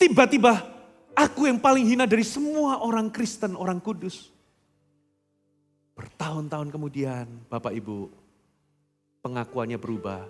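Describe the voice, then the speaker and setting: A man with a high pitch speaks at a moderate pace, with very wide pitch swings and long, frequent pauses. Music plays in the background. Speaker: pastor. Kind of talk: sermon. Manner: rising, sharp intonation that sounds angry; animated.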